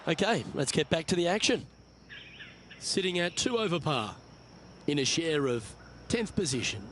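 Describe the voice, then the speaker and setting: A man playing a composed television golf commentator in a video game, making measured, brief remarks between shots. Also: on the high side, expressive, a bit bright, slight background noise.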